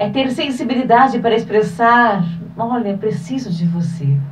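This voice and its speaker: A woman talks at a fairly slow pace, her pitch swinging very widely as noticeable background noise carries on. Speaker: radio presenter. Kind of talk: motivational message reading.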